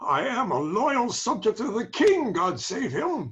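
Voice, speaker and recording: A man's put-on character voice, high-pitched, with very wide pitch swings and a fairly slow pace. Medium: audio drama. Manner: stammering, hesitant.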